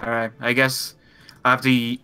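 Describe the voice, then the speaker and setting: Very bright, sharp-voiced male gamer. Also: medium pitch, monotone, moderate pace, smooth. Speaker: tabletop game player. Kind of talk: casual chat during a game.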